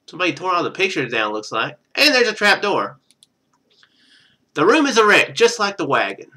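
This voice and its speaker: Male streamer, higher-pitched and animated, reading a visual novel aloud with loose conversational asides. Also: moderate pace. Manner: rambling, chatty asides between read passages. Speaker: game streamer.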